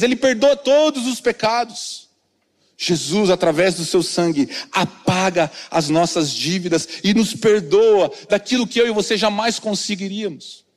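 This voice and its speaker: A man preaching with a high, bright voice that carries through a church with a long, lingering echo. His delivery is earnest, and he sometimes sinks into quiet low tones to drive a point home. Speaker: pastor. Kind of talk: sermon. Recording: long hall reverb from a church.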